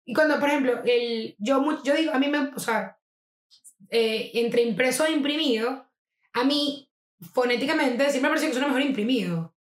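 A woman with a fairly high voice chats in a casual podcast, sarcastic and animated, full of fillers. Her voice rings in an echoey room. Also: normal speed. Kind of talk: casual chat.

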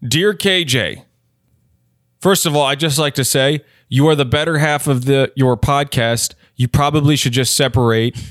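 A man co-hosting a comedy podcast, reading listener emails in a deadpan way with halting restarts. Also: mid-range voice, no room sound, clean studio sound. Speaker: podcast co-host. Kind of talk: casual comedic podcast banter.

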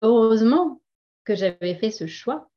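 A woman's voice: on the high side, animated, a little slow, dark tone. A middle-aged woman speaking as a guest in a casual interview, earnest and hesitant, with frequent laughs. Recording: dull lo-fi audio.

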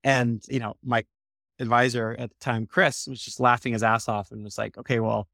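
A man in his thirties, a startup co-founder, answering interview questions quickly and animatedly, with many restarts. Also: mid-range voice, fairly even intonation, gravelly, sharp tone, no echo, clean studio sound. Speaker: startup co-founder, podcast guest.

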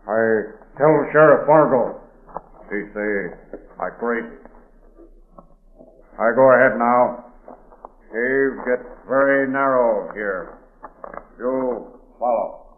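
An actor playing a big, solemn, fearful Native American cave guide who speaks terse, halting broken English in an old-time radio drama. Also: male voice, medium pitch, slight background noise, close to an everyday voice. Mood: uneasy. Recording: tinny old radio recording, echoey.

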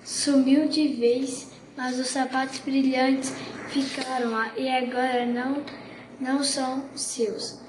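A woman voicing a kindly old good witch, reading softly with small slips, in an echoey room with background noise. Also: high voice, flat delivery, slow. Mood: gentle.

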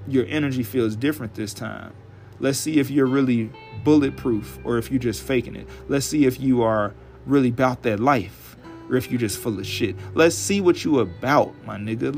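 A hoarse man hosting his own podcast, talking straight to his listeners in a loose, chatty monologue. His speech is blunt and laced with swearing, and he stretches words out for emphasis. Faint music plays under his voice. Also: medium pitch. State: hoarse, dry throat. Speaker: podcast host. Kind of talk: casual solo podcast monologue.

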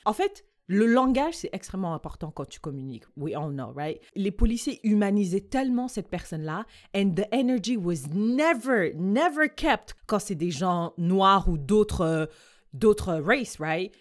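A woman's voice: medium pitch, expressive, normal speed. A woman co-hosting a podcast, chatting casually and switching between French and English mid-sentence. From West African family. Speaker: podcast co-host.

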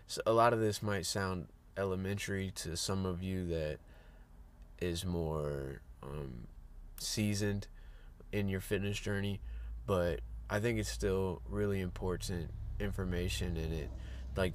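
A man's voice: low-pitched, steady tone, unhurried, slight background noise. A man hosting a fitness podcast in a casual, rambling monologue, sounding a bit congested. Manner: upbeat, rambling with fillers and restarts.

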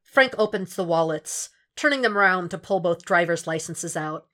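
A woman's voice: on the low side, expressive, normal speed, a bit bright. A woman reading scripted fiction aloud as an audiobook narrator, in a dramatic storytelling style.

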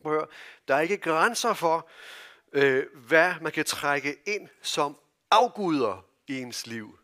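A man with a Danish accent preaching a sermon in a church, earnest and halting, with many fillers, his voice dropping to near-whispers and rising to loud calls. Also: fairly high pitch, lively intonation. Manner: earnest, wide swings from loud calls to soft hushed phrases. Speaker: pastor.

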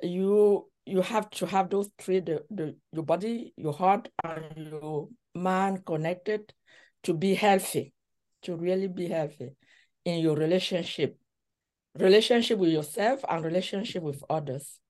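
A middle-aged woman from Cameroon, a relationship coach, telling her story as an interview guest in a thoughtful way with many pauses. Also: fairly low pitch, warm tone. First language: a language of Cameroon. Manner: slow, thoughtful storytelling with frequent pauses and fillers.

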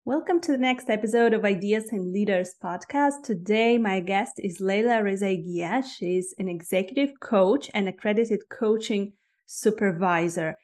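A woman's voice: mid-range voice, moderate pace, a little mellow. A woman hosting an interview podcast, introducing the show and putting questions to a guest. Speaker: podcast host.

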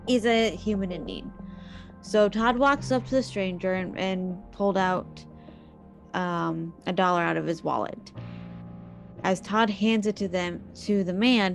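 A woman hosting a podcast, telling a story in a casual way and breaking off for chatty personal asides. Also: lowish voice. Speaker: podcast host.

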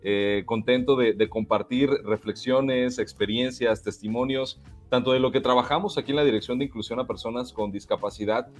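A man from Mexico whose first language is Mexican Sign Language speaks as a radio guest. His answers are measured and earnest, broken by frequent hesitations, with faint music in the background. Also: mid-range voice, fairly even intonation. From Jalisco, Mexico. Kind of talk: interview answers.

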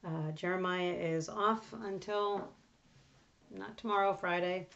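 A middle-aged woman with a raspy voice hosting a devotional podcast, talking casually with many fillers and restarts. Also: fairly low pitch, fairly even intonation, unhurried, fairly bright tone, dull audio. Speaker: podcast host. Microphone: on camera, close mic.

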